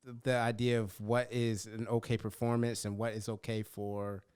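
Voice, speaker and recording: A man co-hosting a casual podcast, talking in animated bursts that trail off and restart. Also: fairly low pitch, moderate pace, smooth. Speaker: podcast co-host.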